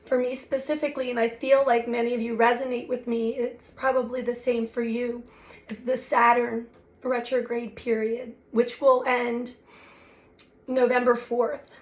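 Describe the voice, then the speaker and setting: A woman hosting a spiritual astrology channel, talking reflectively with many pauses and fillers while her voice recovers from illness. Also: on the high side, little pitch movement, low-quality recording. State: recovering from voice loss. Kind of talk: unscripted spiritual talk to camera.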